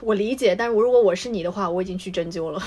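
A woman podcast co-host chatting casually at a middling pitch. She sounds relaxed and dryly wry as she responds to the others. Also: quick pace, breathy edge. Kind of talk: casual chat.

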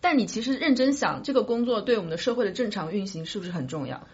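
A woman speaks briskly in a casual, reflective discussion. She builds arguments by posing pointed questions, in a voice with a husky, unpolished edge. The sound is slightly dull. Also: mid-range voice, animated. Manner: probing, argumentative, poses questions. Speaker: podcast co-host.

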